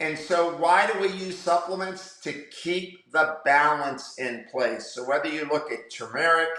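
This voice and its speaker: Amid noticeable background noise and audible room echo, a man speaks fairly slowly at a high pitch with ordinary pitch variation. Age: 60s. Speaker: clinical pharmacist and nutritionist. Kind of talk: interview.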